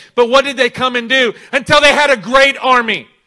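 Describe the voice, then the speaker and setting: Over a quiet background, a man speaks at a fairly quick pace. His tone is bright, sharp and animated. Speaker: pastor. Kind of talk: sermon. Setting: church with congregation. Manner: animated, call-and-response, urging the congregation. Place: church. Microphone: handheld.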